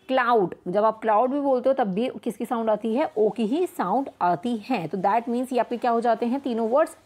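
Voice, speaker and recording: A woman teacher from India explains a lesson. Her voice sits a little high. She asks the listener questions and repeats key words as she teaches. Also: a little mellow. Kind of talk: explaining lesson in Hindi-English mix.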